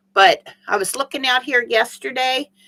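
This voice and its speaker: A woman speaks at a moderate pace with a bright, sharp tone and vocal fry. The sound is dry and close, with no echo. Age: 60s. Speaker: sewing and quilting vlogger. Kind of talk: casual chat. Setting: home sewing studio.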